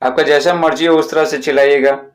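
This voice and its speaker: A man's voice: a little high, fairly even intonation, a little fast. A male teacher explaining a lesson, chanting street-vendor calls as examples and often checking in with "okay?". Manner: chants vendor calls, keeps saying "theek hai". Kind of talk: classroom-style explanation.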